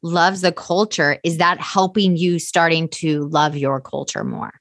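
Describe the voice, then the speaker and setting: A woman hosts an interview, effusive and direct, urging her guest along with pointed questions. Her voice sits slightly low. The recording is close and dry. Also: steady tone, measured pace, a bit bright, dry recording. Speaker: host. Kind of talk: encouraging interview host.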